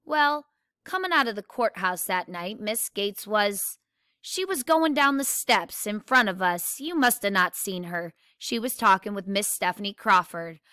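A woman's voice: medium pitch, animated, a little slow, sharp tone, clear, resonant tone, no room sound, studio quality. A woman voicing a blunt, curious young tomboy girl with earnest questions in a read-aloud novel.

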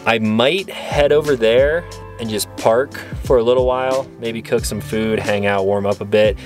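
A man's voice: medium pitch, moderate pace, soft background music. A man in his thirties chatting casually to camera as a vlogger inside a small truck camper.

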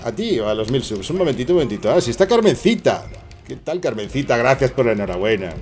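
A man with a Spanish accent giving excitable, swearing live commentary while playing and chatting to viewers. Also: medium pitch, fast talker, soft background music. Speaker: gaming streamer. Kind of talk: casual live gameplay commentary.

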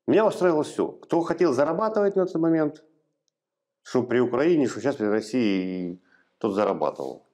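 A man in his thirties from eastern Ukraine, giving hesitant, halting answers in an interview in a small office, recorded on a lapel mic. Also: mid-range voice, expressive, mellow. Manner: hesitant, halting, plain-spoken. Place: small office room, indoors. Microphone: clip-on lapel mic.

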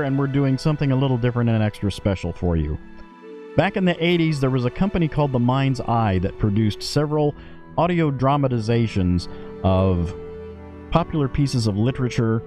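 A middle-aged man hosting an audio series, giving an informal introduction straight to his listeners. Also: mid-range voice.

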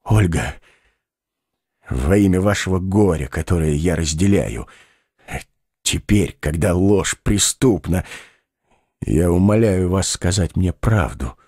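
A man voicing an aging, heavyset male doctor in an audiobook, moving from a soft tender half-whisper to bitter shouting. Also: fairly low pitch, slightly rough, dry recording, studio quality, heavily acted. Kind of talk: audiobook character voice.

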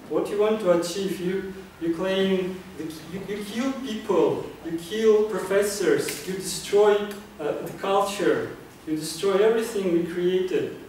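Recorded from afar by a camera in a reverberant meeting room, this club speaker from Kazakhstan delivers a sincere prepared talk. His high-pitched voice has a darkish tone, and faint hiss is audible. He frequently restarts phrases with fillers.

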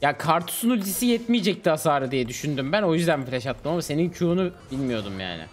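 A man in his twenties streaming a game, chatting casually and excitably with slangy, teasing banter. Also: fairly high pitch, quick pace. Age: 20s. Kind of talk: casual gaming commentary with a teammate. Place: small home streaming room, indoors.

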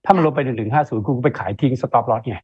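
A man with a husky, slightly breathy voice talks through stock market calls as an interview guest. He is emphatic and keeps checking in with rhetorical questions. The sound is dry and narrow, like a tinny phone line. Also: mid-range voice, fast, a little mellow, no echo. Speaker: investment analyst guest. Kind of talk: stock market commentary in conversation.

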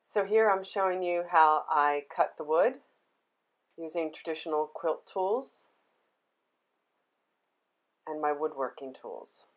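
Giving an informal studio tour, a middle-aged woman explains things in a chatty manner, her voice sitting low, slow, and full of frequent pauses. She's an artist from Philadelphia, United States, and has a Philadelphia American accent.

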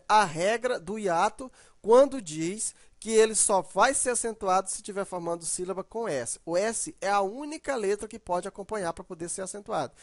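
A man's voice: high voice, dry recording, clean studio sound. A man teaching a grammar lesson, explaining step by step and often checking in with "ok" and "ó".

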